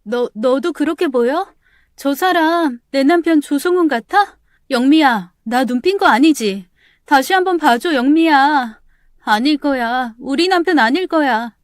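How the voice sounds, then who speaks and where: A woman's voice: high voice, lively intonation, moderate pace, few pauses, clean tone, dry recording, studio quality, voice pushed up. A woman voicing a shocked young wife who pleads frantically while defending her husband. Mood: pleading.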